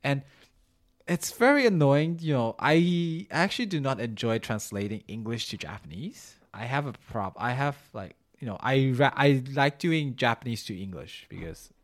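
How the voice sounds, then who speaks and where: A man whose first language is Chinese chats casually on a podcast, laughing often and swearing lightly. His pitch swings widely from moment to moment. His voice sits at an ordinary male pitch. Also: expressive, normal speed.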